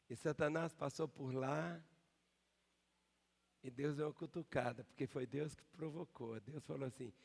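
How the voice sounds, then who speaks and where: Gravelly older pastor preaching in a hall. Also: male voice, on the high side, a little mellow. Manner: emphatic preaching with call-and-response. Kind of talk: sermon. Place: large church. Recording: long church hall reverb.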